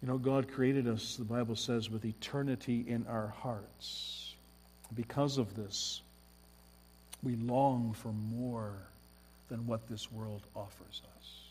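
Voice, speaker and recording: A man preaching a sermon, swelling loud at climaxes and dropping to a soft hush. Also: medium pitch, steady tone, slow pace, slightly rough. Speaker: pastor. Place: church sanctuary. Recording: long church hall reverb.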